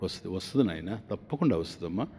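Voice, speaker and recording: A man voicing a poor widowed mother who gently reassures her young son, heard in a long hall reverb. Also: sits low, animated, racing, slightly rough, voice pushed down, full character voice. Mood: soothing.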